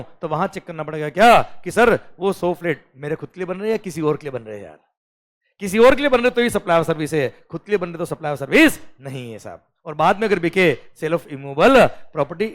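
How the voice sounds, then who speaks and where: A man teaching a lecture in an animated, coaxing way, often calling the students "beta" and reading legal text slowly, word by word. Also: on the high side. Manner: animated, coaxing, mixes English phrases, calls students beta.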